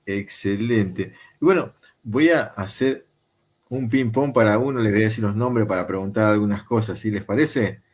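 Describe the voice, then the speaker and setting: Husky man hosting a video call interview. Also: lowish voice. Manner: unhurried, conversational, with frequent filler pauses. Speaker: interview show host.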